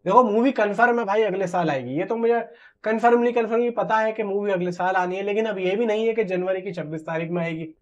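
A man's voice: high voice, fast talker. A man, giving informal film commentary to camera in an emphatic, conversational way and repeating phrases for stress. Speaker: film news vlogger. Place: small room at home, indoors. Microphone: clip-on lapel mic. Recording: slightly dull, muffled sound.

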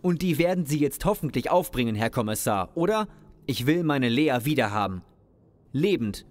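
A man's voice: medium pitch, big pitch swings, moderate pace, lightly acted. An actor playing an anxious male loner devoted to his pet snake in a radio play, fretful and pleading. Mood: worried, pleading.

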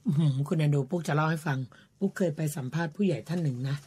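A woman's voice: low voice, racing, warm tone, slightly rough. A woman co-hosting a radio show in a playful, teasing way, asking questions. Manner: playful, teasing, asks questions and laughs often. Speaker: radio co-host. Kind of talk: casual bilingual radio chat. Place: radio studio.

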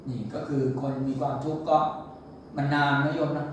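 A man's voice: level tone, normal speed, a little hiss or hum. A man, a Buddhist monk, giving a sermon with storytelling and acted quotes. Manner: storytelling, quotes figures with shifts in pitch. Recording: echoey hall, mic far off.

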